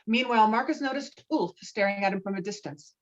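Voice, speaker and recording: Female stage-directions narrator, medium-pitched, scripted delivery, dull remote-call recording. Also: a little fast.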